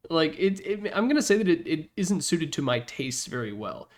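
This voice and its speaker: A man's voice: fairly high pitch, big pitch swings, moderate pace. A man giving casual, rambling ranking commentary in a blunt, sweary, candid manner, recorded in his room on a desktop microphone. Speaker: host ranking game announcer packs. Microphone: Yeti desktop microphone.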